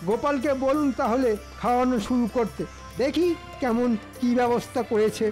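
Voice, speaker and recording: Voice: medium pitch, moderate pace, a little mellow, lightly acted. An actor playing a sly, scheming court minister in a cartoon, speaking in gloating asides. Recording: cartoon voice with faint music.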